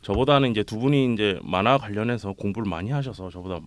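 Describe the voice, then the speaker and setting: A man hosting a casual interview podcast, playful and quick to laugh, his voice a little off from a cold. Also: lowish voice, no room sound. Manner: playful, laughs often, teasing. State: has a cold, voice slightly off. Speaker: podcast host.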